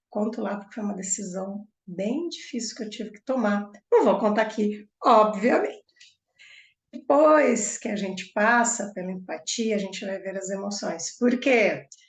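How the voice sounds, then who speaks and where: A woman with a Brazilian accent speaks at a fairly slow pace and a fairly high pitch, with ordinary pitch variation. Her voice is somewhat breathy and swings widely in loudness. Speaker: mentor and soft skills teacher. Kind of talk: course presentation. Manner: animated.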